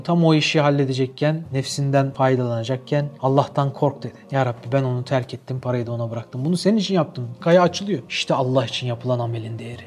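A male preacher delivering a religious talk at a very fast clip. His voice sits a little high, and he keeps pushing the talk along with rhetorical questions and vivid retold stories. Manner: animated storytelling, rhetorical questions.

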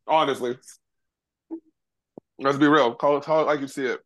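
A man's voice: medium pitch, steady tone, normal speed, a bit bright, muffled recording. A man with an African American accent in casual, slangy and profane sports banter, speaking emphatically as a podcast co-host.

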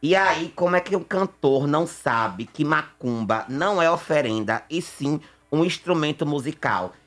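A man's voice: fairly high pitch, expressive, normal speed, a bit bright. A man presenting celebrity gossip on radio in a campy, chummy way, addressing listeners affectionately. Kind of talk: chatty celebrity gossip segment. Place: radio studio.

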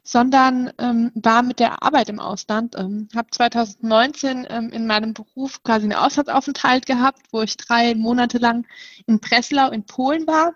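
A woman's voice: fairly high pitch, no room sound, lo-fi sound. A woman in her twenties co-hosting a podcast, hesitant, with many fillers. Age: 20s. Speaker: podcast co-host. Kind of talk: casual podcast chat.

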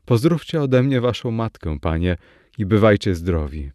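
A man voicing an earnest, secretive young village girl in a storybook reading, speaking softly. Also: lowish voice, big pitch swings, normal speed, no echo, studio quality. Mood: tender pleading.

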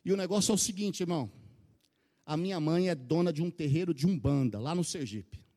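A man's voice: fairly high pitch, expressive, fairly quick, warm tone. A middle-aged man gives a testimony in church, telling a story with animation and often turning to address the congregation. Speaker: church member giving testimony.

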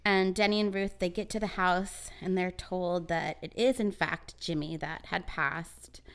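A woman co-hosting a podcast, walking her friend through a true crime story in a loose, chatty way. Her voice is smooth and clean, pitched a little low, and she keeps dropping in fillers as she talks. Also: unhurried. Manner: relaxed, uses many fillers, acts out quotes. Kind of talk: casual storytelling chat.

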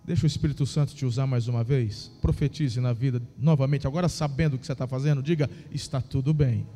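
A man's voice: mid-range voice, fairly even intonation, fast talker, warm tone. A man with a Brazilian accent preaching a charismatic church sermon, exhorting the congregation with informal asides. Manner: exhorting, prompting the congregation to repeat and respond. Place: church hall during a service. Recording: echoey hall with music behind.

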